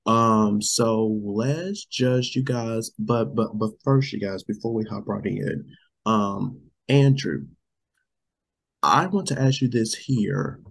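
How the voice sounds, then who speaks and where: Sick guy co-hosting a chat show, slow draggy talk, rough husky throat. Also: on the low side, animated. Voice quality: gravelly, husky. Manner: rambling, repeats "you guys" often. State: sick, losing his voice. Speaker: podcast co-host.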